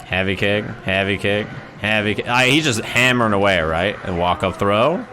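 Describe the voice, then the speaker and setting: In a lowish voice, a man gives casual, conversational fighting game commentary on a livestream. He repeats phrases for emphasis and often checks in with "right?"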